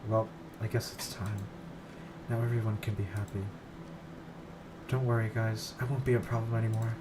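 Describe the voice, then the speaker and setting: Guy putting on a hopeless teen schoolgirl, pleading, pitched up a bit, noisy background. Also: level tone, moderate pace, natural voice. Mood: hushed despair. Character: despairing teenage schoolgirl on a rooftop ledge.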